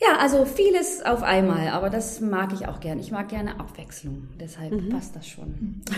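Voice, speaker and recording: Amid noticeable background noise and audible room echo, a woman at medium pitch talks at a moderate pace with very wide pitch swings, big swings in loudness and hardly any pauses. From Netherlands. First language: Dutch (speaking German). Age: 30s. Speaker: singer. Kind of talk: casual interview.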